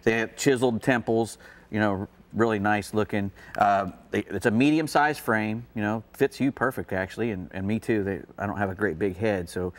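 Low-voiced, folksy man presenting products. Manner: halting, folksy, repeats himself. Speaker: fishing show co-host presenting products. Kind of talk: unscripted product showcase chat. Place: indoor TV studio set.

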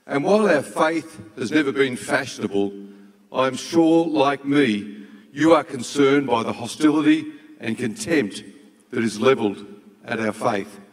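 A man in his sixties hosting an event from a stage, speaking formally in a measured, solemn way. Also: mid-range voice. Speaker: event host. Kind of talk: formal stage introduction and prayer. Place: large auditorium stage. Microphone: handheld microphone. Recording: hall reverb from stage PA.

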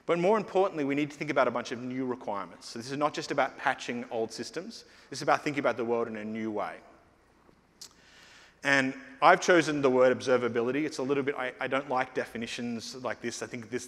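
Middle-aged man, keynote speaker, loose conversational delivery, mid-pitched, long hall reverb. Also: fast talker, a bit bright. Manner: conversational, many fillers and restarts. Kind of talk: conference keynote talk. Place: large conference hall stage.

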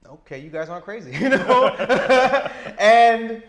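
A man in his thirties with a stutter, talking slowly and deliberately as an interview guest on a lapel mic indoors. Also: very high voice, animated. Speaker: interview guest, teacher living abroad. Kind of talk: casual interview. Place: indoor lounge with sofa.

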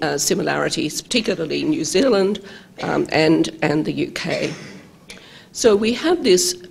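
An older Australian woman, a law professor with a croaky voice from travel, giving a halting conference lecture at a lectern microphone in a large hall. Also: lowish voice, a little mellow. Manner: halting, many ums and uhs, measured.

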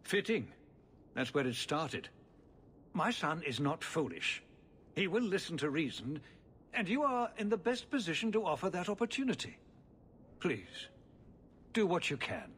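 An actor playing a dignified, worried older nobleman and father in a video game, speaking formally and gravely, with a pleading manner. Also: on the high side, very animated, measured pace, long pauses, fairly bright tone, a little hiss or hum. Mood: earnest.

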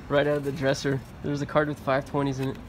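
A talkative man in his forties, mid-pitched and easygoing, thinking aloud as he looks over old finds. He is recorded outdoors on a phone camera. Steady street and background noise runs under his voice. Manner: chatty, curious, appraising finds aloud. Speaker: storage locker reseller, channel host. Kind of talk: casual unboxing chat. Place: outdoors on a sunny trailer by storage units.

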